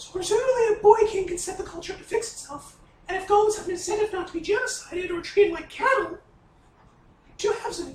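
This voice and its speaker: A put-on character voice at extremely high pitch races along at a very fast pace with slight echo. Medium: actual play. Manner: argumentative, insistent.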